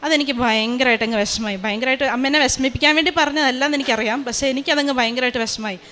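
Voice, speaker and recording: Fast-talking young woman. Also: high voice, bright, forceful tone. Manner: earnest storytelling with many fillers. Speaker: testimony giver. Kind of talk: personal testimony.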